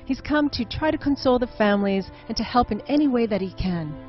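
An actress playing a composed, earnest television news reporter delivering a live report. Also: female voice, fairly high pitch, animated, a little fast, highs cut off, loud music behind the voice, close to an everyday voice. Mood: composed, somber.

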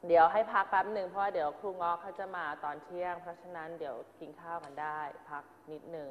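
A woman's voice: fairly low pitch, fairly even intonation, quick pace. Woman acting coach in an echoey hall. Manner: direct, corrective feedback to students. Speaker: acting teacher. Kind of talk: drama class coaching. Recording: dull, echoey hall sound.

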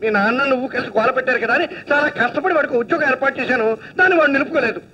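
An actor playing a grumbling, sarcastic middle-aged husband in a film drama. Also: male voice, very high voice, rapid-fire, bright, forceful tone, heavily acted. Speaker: husband of the aunt. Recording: distant, dull lo-fi film soundtrack.

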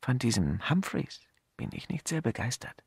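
A man's voice: mid-range voice, sing-song, moderate pace, gravelly, husky, no echo, studio quality, full character voice. A man voicing a shrewd older chief inspector who plays the genial country type and answers evasively. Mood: thoughtful.

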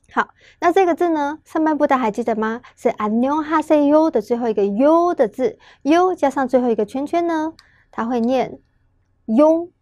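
A woman's voice: fairly high pitch, darkish tone, dry recording. A woman with a Taiwanese Mandarin accent teaching a patient, step-by-step pronunciation lesson, asking questions and then answering them. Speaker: Korean language teacher.

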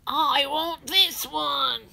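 A woman voicing a small, eager male slug who is learning to read, with squeaky, whiny exclamations. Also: very slow, vocal fry, bright, forceful tone, exaggerated voice. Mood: excited. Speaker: teacher reading aloud.

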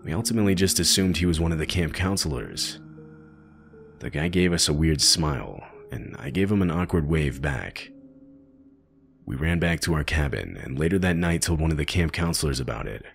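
A man narrating first-person horror stories in a slow, grave storytelling manner. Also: rumbling low, expressive, gravelly, soft background music. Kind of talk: scripted narration.

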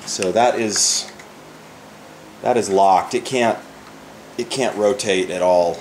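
A slow-paced, fairly low voice belongs to an older man demonstrating a woodworking project in his shop. As an instructor giving a casual demo, he thinks aloud and keeps restarting sentences, against a noisy background.

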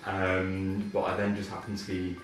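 A man's voice: low-pitched, completely flat delivery, normal speed. A young man with an English accent chatting casually, a bit hesitantly, as an interviewee while playing a video game. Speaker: interviewee, car owner. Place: living room, indoors. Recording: echoey room, distant mic, faint music.

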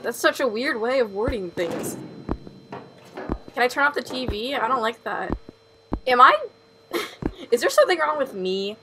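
A woman's voice: a little high, expressive, unhurried, pauses often, noisy background. A young woman on a headset mic, playing a horror game and commenting nervously, laughing and asking questions. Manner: nervous, giggly, full of questions. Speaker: gaming streamer.

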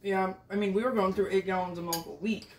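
A woman's voice: medium pitch, fairly even intonation, fast talker, echoey room, slight background noise. A young woman, the host's daughter, talking candidly and matter-of-factly as a guest in a casual interview.

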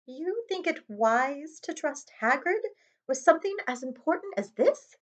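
Stern older female professor, voiced by a woman reader, high, swooping, urgent storybook delivery. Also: lively intonation, unhurried. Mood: worried.

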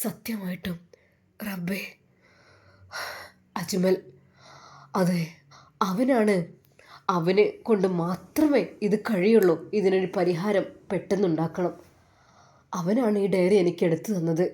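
A devout older Arab woman from a spoken storybook, kind and motherly, as a woman reader puts her on. She pleads in prayer and speaks softly to comfort others. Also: lowish voice, unhurried, long pauses, slightly rough. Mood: pleading prayer.

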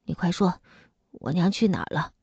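A woman's voice: lowish voice, lively intonation, moderate pace, gravelly, darkish tone, slightly rough, no room sound, muffled recording, heavily acted. Woman voicing a subdued, pleading young man. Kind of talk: audiobook character voice.

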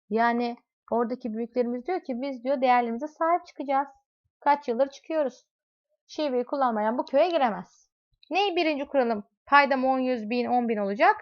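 High-voiced woman teaching math. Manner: explains with everyday examples, asks students questions; talks directly to students in second person. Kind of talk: classroom math lesson. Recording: dull lo-fi recording.

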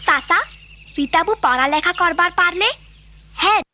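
A woman's voice: very high voice, normal speed, a little hiss or hum. A woman voicing a brave, eager young village girl in a cartoon. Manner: eager, chatty. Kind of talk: cartoon voice acting. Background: loud music.

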